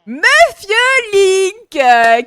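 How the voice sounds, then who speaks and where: A woman voicing an eager, cheery male mailman in a sing-song, drawn-out way, during a game stream. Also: very high-pitched, sing-song, fairly bright tone, voice pushed up, heavily acted. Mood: cheerful. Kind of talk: live-stream voice imitation.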